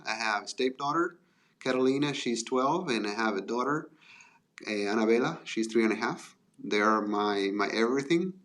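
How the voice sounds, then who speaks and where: A man from Argentina, a guest talking politely and in a measured way, pausing often. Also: fairly low pitch. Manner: polite, measured, with frequent hesitations. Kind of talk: casual interview chat.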